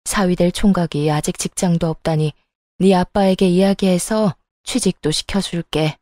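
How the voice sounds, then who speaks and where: A woman reading the lines of a caring, practical middle-aged mother who speaks calmly and reassuringly in a narrated story. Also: fairly low pitch, normal speed, dry recording, clean studio sound, close to an everyday voice. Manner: calm, reassuring.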